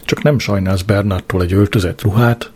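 A man voicing a sharp-tongued, scolding mother and wife. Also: on the low side, fairly even intonation, breathy edge.

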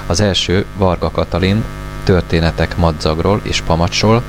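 A man announces the next programme in a formal, even delivery. His voice is very deep, and a clear mains hum runs underneath. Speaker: radio announcer.

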